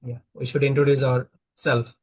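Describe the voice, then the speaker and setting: In a relaxed practice conversation, a Bangladeshi man, a small YouTuber acting as partner, questions the other speaker with frequent fillers and restarts. He speaks at normal speed with a medium pitch, a flat delivery, and a breathy edge.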